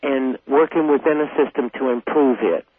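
Calm earnest man on a tinny phone line. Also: mid-range voice, normal speed, no echo. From South Carolina. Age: 40s. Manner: calm, earnest and long-winded. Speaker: radio guest. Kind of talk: call-in radio conversation.

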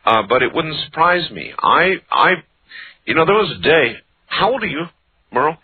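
A man's voice: on the high side, big pitch swings, moderate pace, breathy edge, no echo. A man in his early fifties hosting a call-in radio show, talking earnestly with listeners. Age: 50s. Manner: earnest, conversational, asks short questions. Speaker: talk radio host. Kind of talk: late-night call-in talk radio. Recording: dry narrowband radio sound.

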